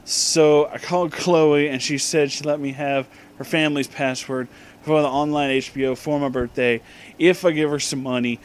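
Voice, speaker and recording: A man giving a comic dramatic reading, deliberately enunciating garbled words and dropping in casual asides. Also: on the high side, steady tone, a little hiss or hum. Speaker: reader and commentator of bad fan fiction.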